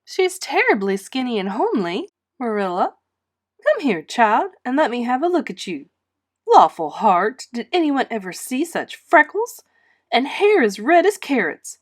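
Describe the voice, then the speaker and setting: A woman's voice: on the high side, big pitch swings, unhurried, voice pushed up. A woman doing a storybook busybody, older female neighbour, outspoken, emphatic, bossy, disapproving, raised voice. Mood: blunt, critical.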